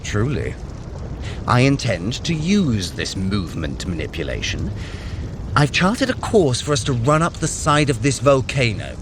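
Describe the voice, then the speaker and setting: A flamboyant, scheming trickster god for an audio drama. He sounds vain and self-satisfied, his pitch sweeping dramatically up and down over a clear rumbling backdrop. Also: huge pitch swings, a little slow, background noise. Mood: smug. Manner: self-satisfied, theatrical, formal phrasing. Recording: rumbling ambience behind the voice.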